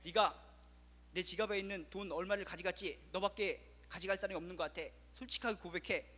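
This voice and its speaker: A man acting out an angry mother who accuses her young son, shouting and scolding. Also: high voice, steady tone, quick pace, in a large hall.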